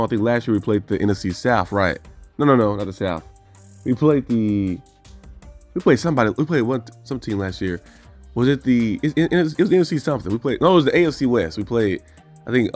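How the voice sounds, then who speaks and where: A man hosting a fan channel, talking through team news in a loose, rambling way and correcting himself as he goes. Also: on the low side. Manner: rambling, thinks aloud, self-correcting. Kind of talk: casual solo sports commentary.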